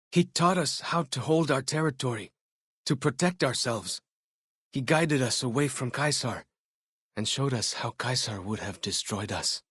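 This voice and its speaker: Game role: young tribal scout, curious and sincere, measured storyteller delivery, husky edge, close dry sound. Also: male voice, medium pitch, no room sound. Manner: plain-spoken, measured, storytelling in short phrases. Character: young tribal scout, earnest, curious, loyal to his war leader. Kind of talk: video game character dialogue.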